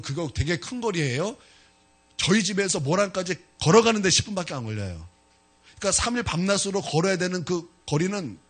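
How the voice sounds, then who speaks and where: A male pastor with a high, husky voice preaches to his church, animatedly retelling a story and speaking straight to the congregation.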